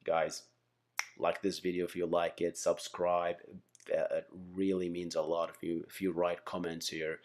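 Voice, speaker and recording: A software engineering instructor running his own channel gives a casual explainer lesson. His low, slightly mellow voice is flat and a little slow, and he frequently checks in using "right?", "okay?", and "guys".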